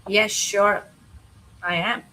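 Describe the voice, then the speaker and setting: A woman interpreting a guest's signed answers in an interview, unhurried, pausing with uh between phrases. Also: mid-range voice, fairly even intonation, sharp tone, slight background noise, low-quality recording.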